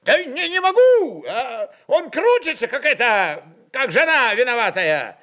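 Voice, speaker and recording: Old Cossack jester, very high voice, swooping, grumbling, folksy, exclaiming, storybook character. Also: male voice, sing-song, unhurried, a bit bright, full character voice. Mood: flustered.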